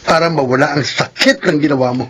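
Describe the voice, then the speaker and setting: Man acting as high-voiced, flamboyant gay man. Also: a little fast, fairly bright tone, slight background noise, natural voice. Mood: hurt, cold. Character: flamboyant gay man, hurt and sharp-tongued. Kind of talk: radio drama acting in Filipino soap.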